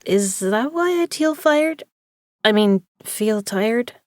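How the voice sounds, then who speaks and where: A woman's voice: fairly high pitch, expressive, takes it slowly, dry recording, clean studio sound. A woman acting a stubborn, injured gambler in an audio drama, strained but defiant. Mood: drowsy.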